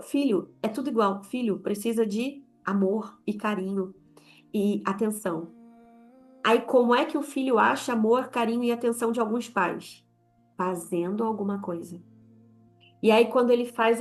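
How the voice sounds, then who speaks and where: A young adult woman with a Brazilian accent gives an informal, chatty sermon to women. She talks conversationally and slips into quoted voices now and then. Her voice sits a little high, and faint music plays underneath. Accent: Brazilian Portuguese. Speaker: women's ministry leader.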